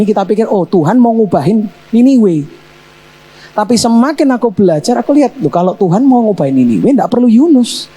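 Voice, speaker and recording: A man's voice: sits high, dark tone, slightly rough. A male pastor preaching a sermon in a conversational storytelling way, full of rhetorical questions. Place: church service.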